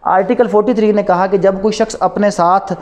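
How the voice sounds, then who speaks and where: A Pakistani man with a fairly high-pitched voice delivers a classroom law lecture. His manner is didactic, as he keeps putting short questions and then supplying the answers himself. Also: steady tone, a little fast, darkish tone.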